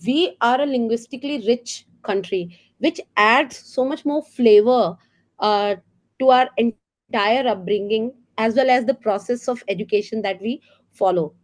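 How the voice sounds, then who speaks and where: A woman's voice: fairly high pitch, measured pace. Indian woman giving a teacher training talk. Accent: Indian English. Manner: earnest, explanatory, with frequent fillers and rhetorical questions. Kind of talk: professional development talk for teachers.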